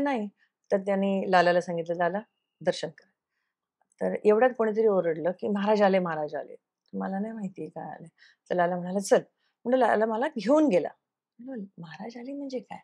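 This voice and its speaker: An earnest woman recounts a personal story for an interviewer, her voice sitting at a middle pitch. She acts out the lines other people spoke to her and slips English phrases into her speech. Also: darkish tone. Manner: earnest, recounts events by acting out quoted dialogue. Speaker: television actress, interview guest.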